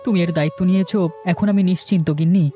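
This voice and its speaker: A man's voice: sits high, fairly even intonation, racing, dark tone, natural voice. A man voicing a poor, kind fisherman in a cartoon story, earnest and exclamatory. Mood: earnest, tender. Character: poor, tender-hearted fisherman husband. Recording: music under the voice. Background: music.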